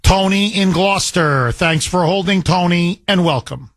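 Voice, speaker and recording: A man's voice: high voice, a little slow, a bit bright, no echo, clean studio sound. A man hosting a talk radio show, taking callers and delivering emphatic commentary with repeated words.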